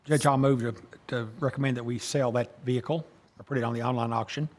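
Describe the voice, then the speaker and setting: An American man, a county official, making motions and explaining them in halting, unscripted meeting talk. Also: medium pitch, fairly even intonation. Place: local government meeting room.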